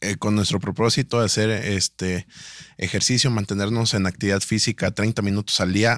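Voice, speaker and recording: Speaking at a moderate pace with a Mexican accent, a man with a fairly low pitch uses fairly even intonation, recorded very cleanly with a silent background and a dry, close sound with no echo. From Mexico. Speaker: Olympic wrestler. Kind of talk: casual interview.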